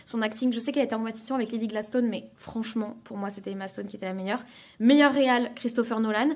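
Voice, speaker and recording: A woman's voice: a little high, darkish tone. A woman giving casual, opinionated and emphatic reaction commentary as a film vlogger.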